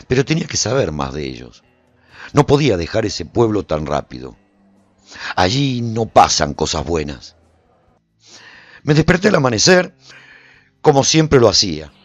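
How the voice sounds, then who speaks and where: Radio serial narrator: weary apocalypse survivor, low-pitched, rough-edged, suspenseful storytelling in a dry studio sound. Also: male voice, no room sound. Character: weary, wary male survivor recounting his journey after apocalypse. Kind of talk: scripted dramatic first-person radio serial narration.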